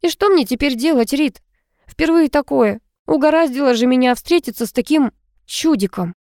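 Sharp, sulky young student girl, read by a woman, dry close read. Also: high-pitched, expressive, normal speed, no room sound, voice pushed up. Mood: dramatic. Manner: sharp, curt.

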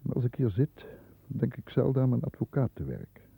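An actor playing a stern, disdainful middle-aged lawyer who narrates his own thoughts in a measured way in a 1960s radio drama, heard on a muffled old recording. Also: medium pitch, big pitch swings, creaky, slightly rough, dry recording, full character voice. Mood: reflective, severe. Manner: measured, introspective first-person narration.

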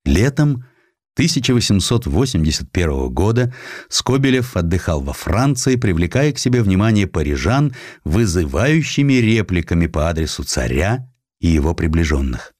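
A fairly low-voiced man narrates a historical tale like a dramatized audiobook, acting out the quotations with very lively intonation. He keeps a normal speed, and the recording is dry and close with no room sound.

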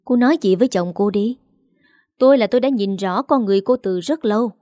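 A woman's voice: mid-range voice, fairly quick, mellow, no room sound, clean studio sound, lightly acted. A woman voicing a harsh, scolding old mother-in-law with a cutting, contemptuous manner.

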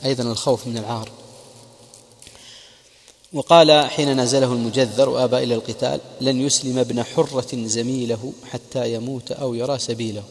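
Male religious lecturer, brisk delivery, recites verse slowly, hall reverb. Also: medium pitch, fairly even intonation. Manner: recites quoted verse slowly, explains words in dialect. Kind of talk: classroom lecture on prophetic biography.

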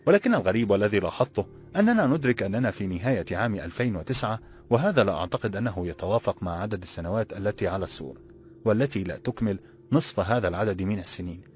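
A man voicing a gentle young woman from an old walled city, speaking in a formal, measured way. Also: fairly low pitch, animated, soft background music, lightly acted. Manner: formal, measured classical speech. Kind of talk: audiobook character voice.

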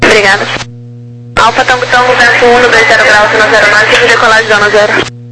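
A woman with a Brazilian accent working as a tower controller, giving clearances over aviation radio. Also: a little high, level tone, a little fast, heavy background noise. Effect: aviation radio transmission. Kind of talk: radio air traffic clearances.

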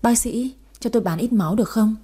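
A woman's voice: a little high, quick pace, mellow, breathy edge. A woman voicing a young, poor mother who pleads tearfully for her sick son, in an audio story. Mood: pleading.

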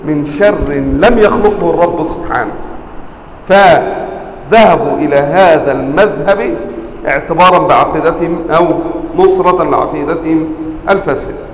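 A man with an Egyptian accent teaching a religious lesson, quizzing his listeners and stressing words with sharp rises. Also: fairly high pitch, normal speed, reverberant, big-room sound, slight background noise, poor audio. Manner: quizzes the audience, emphatic rising stresses. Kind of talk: classroom lesson.

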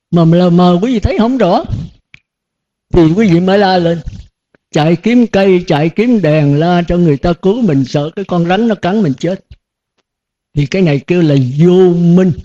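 Older male monk preaching; high voice, mellow tone, folksy and questioning, dull lo-fi sound. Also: normal speed. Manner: folksy, rhetorical questions, chuckles often. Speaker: Buddhist monk teacher. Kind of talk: dharma talk to disciples. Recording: dull lo-fi recording.

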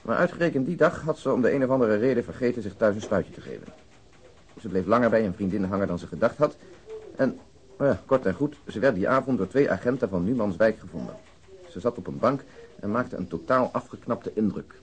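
An actor playing a police detective in a Dutch radio crime drama, explaining a case in a matter-of-fact way with dry asides. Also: male voice, lowish voice, animated, fairly quick, lightly acted. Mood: matter-of-fact, grave. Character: male police detective briefing colleagues on an old case.

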